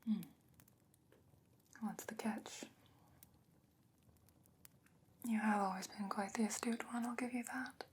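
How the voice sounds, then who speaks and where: A woman playing a calm, knowing, secretive potion maker in a soft-spoken ASMR fantasy roleplay, whispering slowly and breathily with measured, hesitant pauses. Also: medium pitch, slight background noise, lightly acted. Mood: wry, cautionary.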